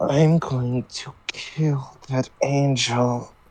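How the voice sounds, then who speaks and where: Putting on a gravelly character voice, a man speaks at a medium pitch. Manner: threatening.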